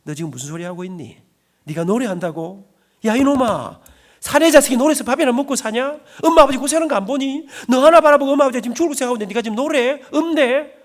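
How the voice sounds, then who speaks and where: A man playing a stern, furious father who shouts and scolds his teenage son in a church testimony. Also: on the high side, fairly quick.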